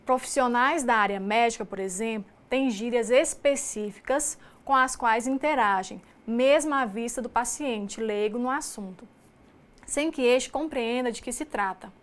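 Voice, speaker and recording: A woman with a Mineiro Brazilian accent, a teacher giving a recorded distance-learning lecture in a measured, explanatory way, reading lists item by item. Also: a little high. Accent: Mineiro Brazilian Portuguese. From Minas Gerais, Brazil.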